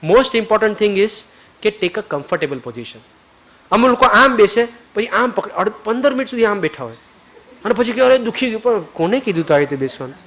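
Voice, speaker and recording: A man leading a retreat group through a forgiveness ritual, mixing English phrases into his talk, checking again and again that everyone is clear, and going soft and low when he leads prayer. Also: big pitch swings, normal speed. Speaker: spiritual teacher leading a retreat.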